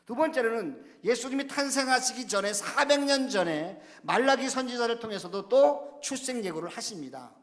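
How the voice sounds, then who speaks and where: A man in his fifties, a visiting missionary preacher, delivering a sermon in a church with a slightly hoarse throat, halting with many fillers and joking asides. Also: extremely high pitch, animated, fairly bright tone. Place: church sanctuary. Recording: long church-hall reverb.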